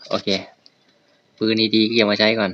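A man giving loud, excitable and profane commentary while playing a video game. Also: lowish voice, normal speed, highs cut off. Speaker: gaming streamer. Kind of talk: casual gameplay commentary. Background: faint birds chirping.

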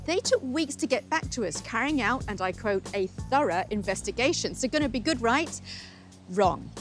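A New Zealand woman reporter narrates a news piece with a bright, fairly high voice. She lands her points with wry emphasis. Soft music runs under her voice. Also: expressive, moderate pace. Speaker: consumer affairs reporter.

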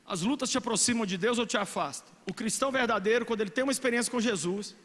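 A middle-aged man with a Brazilian accent, preaching a dramatic, emotional sermon to a youth congregation, swinging from soft asides to shouting. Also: extremely high pitch, fast talker. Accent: Brazilian Portuguese. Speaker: pastor. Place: large church hall with a youth congregation. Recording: long hall reverb with music behind.

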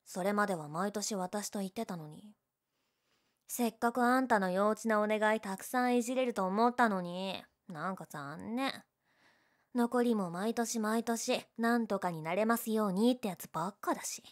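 A woman's voice: medium pitch, moderate pace, natural voice. A young woman playing a teasing, prickly, secretly lovestruck tsundere childhood friend in a romantic audio drama. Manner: bratty teasing, flustered, emotive.

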